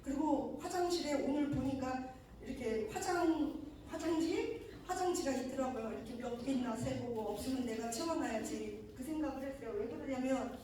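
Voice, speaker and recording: A woman's voice: high-pitched, moderate pace, warm tone, a little hiss or hum. A middle-aged woman preacher giving an emotional sermon testimony, telling her story and acting out the dialogues in it. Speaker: preacher and mission leader. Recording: echoey hall from far off.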